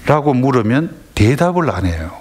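A man's voice: medium pitch, sing-song, normal speed, heavy background noise. A man giving a lecture to parents, talking conversationally and asking the audience questions. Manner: conversational, acts out family dialogues, asks audience questions.

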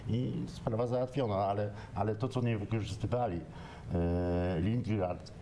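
A man's voice: on the low side, fairly even intonation, normal speed, dark tone, a little hiss or hum. An older man, a football pundit in a studio talk show, searching for words with hesitations.

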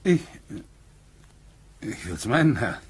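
A stubborn, honest farmer in a German radio drama. His husky voice is mid-pitched, guarded and blunt, with measured, hesitant phrasing. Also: very animated, full character voice. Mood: halting, uneasy. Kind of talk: German radio play acting.

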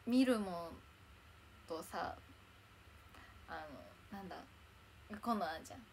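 A woman's voice: lowish voice, takes it slowly, a little mellow, a little hiss or hum. A young woman chatting casually on a livestream in a bubbly, chatty way, thanking viewers as they arrive. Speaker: idol livestreamer.

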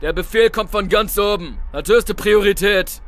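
An actor playing a fatalistic, commanding German army colonel in a wartime audio drama, speaking curtly. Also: male voice, high voice, moderate pace, faint music behind, natural voice. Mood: stern, fatalistic. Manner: commanding, curt.

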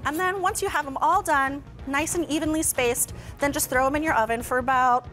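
Female infomercial host, middle-aged, higher register, chatty live kitchen pitch with clear music underneath. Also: fairly quick, fairly bright tone. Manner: chatty, self-deprecating, conversational. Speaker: shopping channel host. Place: TV studio kitchen set.

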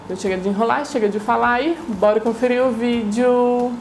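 A woman's voice: fairly high pitch, fairly even intonation, a little fast, a little mellow, a little hiss or hum, rough recording. Chatty Brazilian woman giving a recipe. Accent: Brazilian Portuguese. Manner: friendly, chatty, repeats "tá bom?". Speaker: cooking channel host. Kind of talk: recipe tutorial with voice-over. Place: home kitchen studio for the intro.

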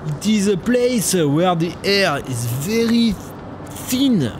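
An actor playing a cryptic French taxi driver in a radio drama, with a French accent and halting, searching speech. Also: male voice, sits high, very animated, over music, heavily acted. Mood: musing, cryptic. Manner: halting English with searching pauses.

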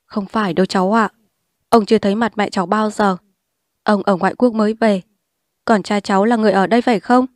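A woman voicing a remorseful old man who speaks softly, slowly and pleadingly. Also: medium pitch, steady tone, dry recording, clean studio sound, lightly acted. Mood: gentle. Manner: soft, slow and pleading.

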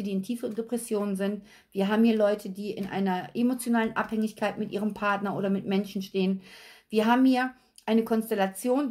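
A woman, slightly hoarse, giving a chatty tarot reading at a table and often checking in with viewers. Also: fairly high pitch. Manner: chatty, repeats okay? and addresses viewers directly. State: slightly hoarse, recovering from illness. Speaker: tarot reader. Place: at a table with cards and a candle, indoors.

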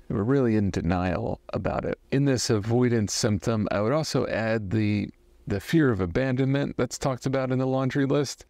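A man in his thirties, a trauma therapist, giving a measured, thoughtful lesson to camera in a study lined with bookshelves. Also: lowish voice, creaky, a little mellow, dry recording. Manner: measured, thoughtful explaining with hand gestures. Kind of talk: educational talk to camera.

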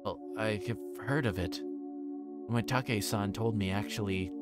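A guarded schoolboy read by a man answers questions in a visual novel game. The voice is fairly low and hesitant. Music plays clearly underneath. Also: moderate pace, natural voice. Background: music behind the voice.

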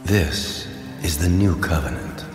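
Casting: the voice of God, deep and commanding, solemn, cavernously echoing, for scripture drama. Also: male voice, lively intonation. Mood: solemn, authoritative. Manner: solemn, measured. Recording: reverberant hall effect under music.

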